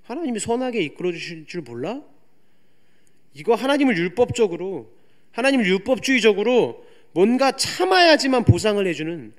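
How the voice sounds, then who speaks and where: A young man preaching a youth sermon in a church, chatty and explanatory, dropping to quiet asides and rising to loud emphatic points. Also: sits high. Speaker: youth pastor. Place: church sanctuary.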